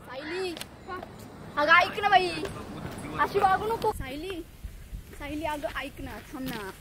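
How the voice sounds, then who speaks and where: A woman's voice: sits high, slow pace, heavy background noise. An actress playing a young woman, an elder sister pleading to keep her secret love hidden, in a Marathi accent. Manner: pleading, soft-spoken.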